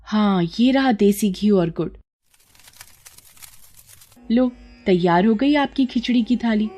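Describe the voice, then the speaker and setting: A woman's voice: medium pitch, takes it slowly, dark tone. A woman voicing a devout, innocent and stubborn young village girl who talks earnestly and pleads with her god. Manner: earnest, pleading, chatty devotion.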